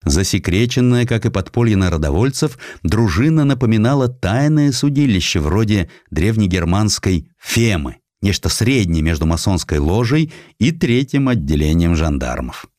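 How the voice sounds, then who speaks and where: A man's voice: fairly low pitch, moderate pace, few pauses, no echo, clean studio sound. A man narrating history as a dramatized audiobook, telling it expressively. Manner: expressive storytelling with acted quotations.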